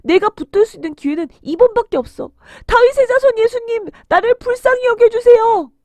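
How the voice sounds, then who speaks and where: Woman acting a high-voiced, pleading blind beggar man. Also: animated, moderate pace, darkish tone, no echo. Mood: desperate pleading. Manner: emotional, crying out pleadingly. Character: desperate blind beggar man, pleading, hopeful, then overjoyed. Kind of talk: dramatised children's Bible storytelling.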